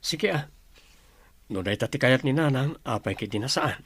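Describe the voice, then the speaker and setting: A man voicing an earnest young suitor in an audio drama, calm and sincere. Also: mid-range voice, normal speed, breathy edge, no room sound. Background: music.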